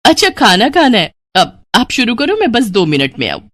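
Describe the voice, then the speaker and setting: A woman voicing a lively, cheerful young daughter in a storybook tale, bubbly and coaxing. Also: on the high side, moderate pace, pitched above the performer's own voice, exaggerated voice. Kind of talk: storybook voice acting.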